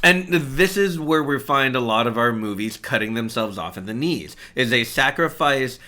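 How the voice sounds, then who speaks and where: A man's voice: medium pitch, lively intonation, normal speed, bright, forceful tone. A man in casual panel conversation, arguing his points in an emphatic, opinionated way. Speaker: panelist on a video game podcast. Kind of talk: casual analytical chat.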